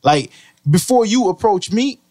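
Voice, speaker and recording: A man's voice: high-pitched, animated, unhurried, warm tone, no echo, studio quality. Chatty man in his late twenties. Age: 20s. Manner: chatty, filler-heavy, "like" and "you know what I'm saying". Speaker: party promoter guest. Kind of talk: casual podcast interview.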